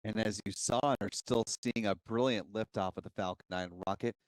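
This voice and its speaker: A man's voice: lowish voice, brisk, dry recording, low-quality recording. A man giving live, explanatory commentary as host of a launch webcast.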